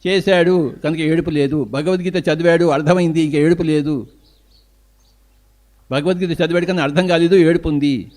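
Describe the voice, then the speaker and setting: A man's voice: on the high side, fairly even intonation, moderate pace, darkish tone. A man giving a spiritual discourse, emphatic, answering his own rhetorical questions. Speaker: spiritual teacher.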